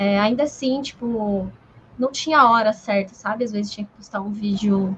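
Fairly high in pitch, a woman speaks with fairly even intonation at a moderate pace. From Brazil, Minas Gerais and Cuiabá. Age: 30s. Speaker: Twitch streamer. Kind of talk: casual chat.

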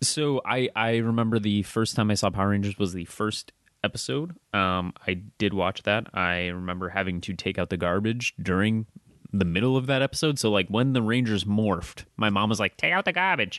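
Against a quiet background, a man with a plain, everyday voice speaks at a moderate pace, fairly low in pitch. His pitch varies in an ordinary way, in a dry, close sound with no echo. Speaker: podcast co-host. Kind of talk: casual chat.

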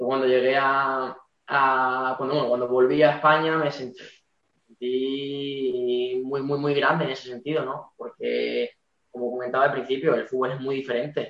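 Delivered at a fairly slow pace, the words carry a monotone, flat intonation. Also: man, medium pitch for a man. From Spain, Granada (Andalusia). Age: 20s. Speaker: professional footballer. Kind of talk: interview.

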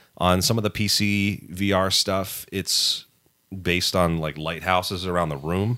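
Against a silent background in a very clean recording, a man speaks at a fairly slow pace, his very deep, low voice bright and sharp in tone. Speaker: podcast host. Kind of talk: casual chat.

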